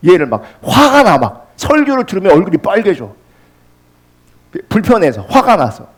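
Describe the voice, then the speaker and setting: Male pastor, high voice, wildly swooping delivery, passionate sermon, loud peaks and hushed drops. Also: huge pitch swings, moderate pace. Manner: impassioned preaching, swinging from loud peaks to hushed lines.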